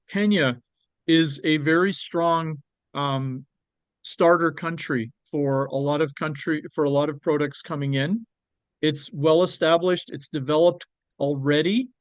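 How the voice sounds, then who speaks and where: A man with a Canadian accent presenting on export markets, talking it through with a guest and pausing often on ums and restarts. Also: on the high side, dry recording. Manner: hesitant, with many ums and restarts.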